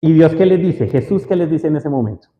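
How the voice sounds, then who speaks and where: A man with a fairly high voice preaches to a congregation, checking in with them through constant questions. His voice rings through a roomy church hall with a long reverb tail. The recording sounds dull and lo-fi. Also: lively intonation, a little fast. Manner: asks the audience frequent questions. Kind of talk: sermon to a congregation.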